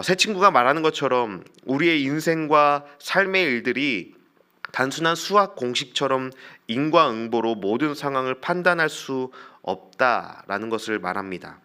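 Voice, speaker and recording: A male pastor giving a morning prayer sermon, explaining scripture in a measured, conversational way with frequent filler sounds. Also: mid-range voice, bright, forceful tone, smooth.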